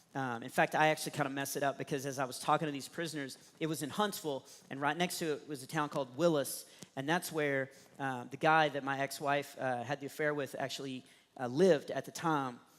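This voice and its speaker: Speaking at a very fast pace, a man with a Texan accent has a fairly high voice. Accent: Texan American. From Texas. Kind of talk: stand-up. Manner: animated.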